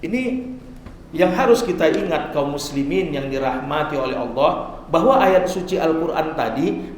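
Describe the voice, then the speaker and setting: High-voiced man preaching in echoey mosque. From Indonesia. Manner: preaching with slow drawn-out Quranic recitation. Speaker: Friday sermon preacher. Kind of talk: Friday sermon.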